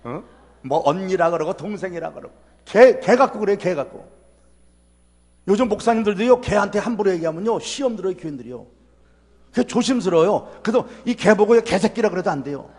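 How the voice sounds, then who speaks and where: High-voiced Korean pastor in a reverberant hall. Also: male voice, expressive, fairly quick, darkish tone. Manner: folksy, emphatic, rhetorical questions to the congregation. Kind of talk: revival sermon. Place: church sanctuary.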